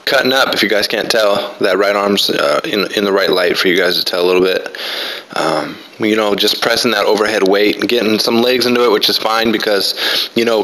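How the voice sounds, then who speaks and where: A man in his twenties giving relaxed, rambling voice-over commentary on his own workout, full of fillers. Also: fairly low pitch, low-quality recording. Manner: laid-back, rambling, many fillers. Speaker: fitness vlogger.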